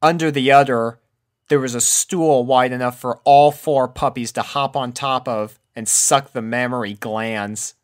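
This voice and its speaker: A man's voice: medium pitch, fairly even intonation, a little slow. A man reading a scripted story aloud as its narrator. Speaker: fan fiction reader.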